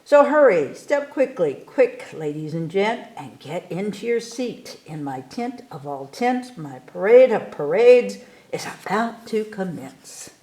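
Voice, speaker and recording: A woman reading a rhyming picture book aloud to children in an expressive, theatrical way, stretching key words for emphasis. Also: mid-range voice, unhurried. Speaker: story time reader.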